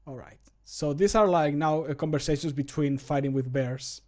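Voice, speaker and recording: A man's voice: fairly high pitch, normal speed, darkish tone. A man in his thirties streaming from a home room, chatting casually and jokily into a close microphone. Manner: jokey, self-deprecating, playful sound words when working. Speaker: streamer and hobby voice actor. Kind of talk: casual livestream chat. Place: small home room, indoors. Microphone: close desk microphone.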